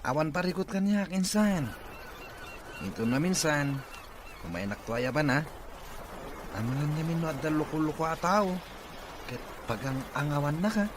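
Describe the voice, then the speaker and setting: A man's voice: fairly high pitch, animated, moderate pace, long pauses, background noise, natural voice. A man playing a friendly, reassuring cousin with a Filipino accent in an Ilocano audio drama. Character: friendly, helpful male cousin, frank and reassuring.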